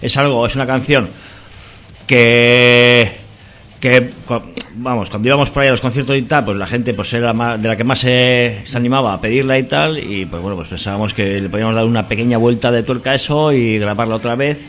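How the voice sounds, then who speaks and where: A man's voice: mid-range voice, brisk, fairly bright tone, a little hiss or hum. A man, a band member answering interview questions in a rambling, hesitant way. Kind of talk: casual interview.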